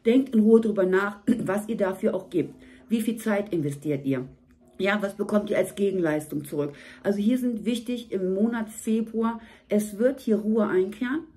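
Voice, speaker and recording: A woman at a table reads tarot cards to the camera, her voice a little hoarse. She speaks to one viewer in a warm, reassuring way. Her pitch sits in a middle range. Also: normal speed. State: slightly hoarse. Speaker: tarot reader. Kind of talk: monthly tarot reading to camera. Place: indoors at a table.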